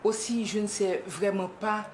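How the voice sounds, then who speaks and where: A woman's voice: medium pitch, fairly even intonation, unhurried, slight background noise, lightly acted. An actress playing an upset, emphatic middle-aged mother in a film. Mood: formal. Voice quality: emphatic, voice rising to shouts. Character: agitated middle-aged mother, loud and fretful. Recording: echoey room.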